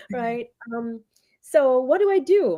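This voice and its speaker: Her tone dark and mellow, a woman speaks very slowly with very wide pitch swings. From Jamaica. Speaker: purpose and career coach. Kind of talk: interview. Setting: on vacation in Florida.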